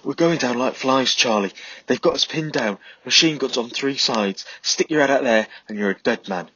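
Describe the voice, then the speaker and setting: A man's voice: medium pitch, moderate pace, sharp tone, husky, dry recording, pitched above the performer's own voice. Scared worn out young soldier, man putting it on, clipped urgent talk, dull lo-fi sound. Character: exhausted frightened young soldier, breathless. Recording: slightly dull lo-fi recording.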